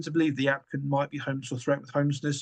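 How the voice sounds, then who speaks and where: A man speaks with an English accent at a fairly high pitch. The recording is dry and close, with no echo. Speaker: housing law expert. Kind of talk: livestream Q&A. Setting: livestream on laptop. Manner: fast.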